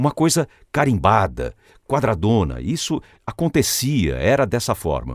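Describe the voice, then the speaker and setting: A man's fairly slow delivery with vocal fry and very wide pitch swings. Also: dry, close sound with no echo. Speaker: veteran advertising and news voice-over announcer. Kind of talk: interview answer.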